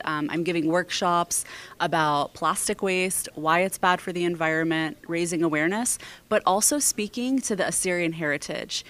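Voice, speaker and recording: American woman, slightly low-pitched voice. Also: a bit bright. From California, United States. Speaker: guest artist. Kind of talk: on-camera interview answers. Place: large indoor exhibition room. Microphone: handheld microphone.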